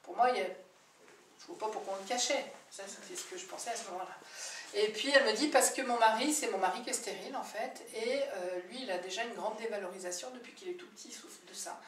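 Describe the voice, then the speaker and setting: A woman therapist tells stories from her practice in a chatty, animated way, stopping often to restart her sentences. She sounds distant from the mic, in a roomy space with faint noise behind her. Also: medium pitch, quick pace. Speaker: birth-history therapist. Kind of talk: telling client stories in a talk.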